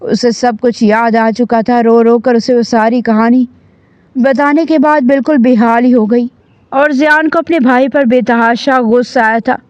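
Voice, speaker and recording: A woman's voice: fairly high pitch, steady tone, darkish tone, dry recording, highs cut off. Woman narrating a story, dry sound.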